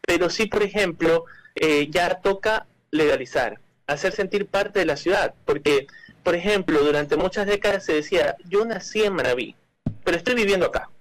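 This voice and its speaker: Hesitant, higher-voiced Ecuadorian man. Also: moderate pace, a bit bright, low-quality recording. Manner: hesitant, repeats words and restarts often with many "eh" fillers. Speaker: cultural manager, interview guest. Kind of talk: explanatory interview answers.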